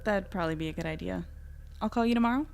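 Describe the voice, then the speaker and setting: A woman's voice: medium pitch, rapid-fire, gravelly, natural voice. An actress playing a guarded young woman in a naturalistic audio drama, hesitant and understated. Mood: tired, fond. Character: guarded young woman, new in town, independent.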